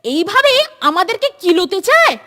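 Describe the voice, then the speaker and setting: A woman voicing a small, reluctant, timid schoolboy in a children's cartoon, speaking in a plaintive, expressive way. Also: very high-pitched, normal speed. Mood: grumbling. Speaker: cartoon voice actor. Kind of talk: Bengali children's cartoon dialogue.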